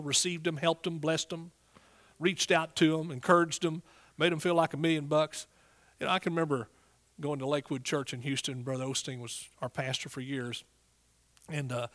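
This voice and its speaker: Preacher, male, middle age. East Texas accent, pitch a little high, folksy and emphatic sermon style. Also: a bit bright. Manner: folksy, emphatic, prompts listeners with amens and hallelujahs.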